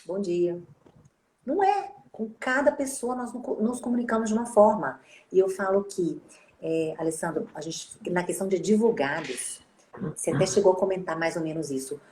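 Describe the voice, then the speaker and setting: A woman's voice: mid-range voice, animated, brisk, warm tone. A woman with a Brazilian Portuguese accent, a speech therapist hosting a casual interview chat, who talks with animation and acts out little quoted greetings. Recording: echoey room.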